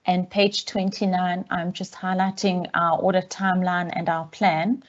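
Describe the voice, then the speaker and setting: A woman auditor, heard over a video call line, gives a measured, businesslike briefing to a council committee, with frequent ums. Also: lowish voice, little pitch movement. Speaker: external auditor presenting a report. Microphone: remote call audio. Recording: dull, lo-fi call audio.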